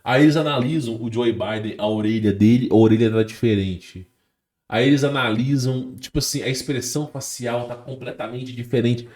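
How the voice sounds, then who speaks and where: A Brazilian man talks to his audience in a loose, rambling monologue, with a mellow, dark tone in a middle pitch. He often stumbles and repeats words before finishing a thought. He musingly builds up his theories, checking in with his listeners as he goes. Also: normal speed. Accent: Brazilian Portuguese. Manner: hesitant, repeats words, frequent "tá?" tag questions. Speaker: channel host. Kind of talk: casual monologue to camera.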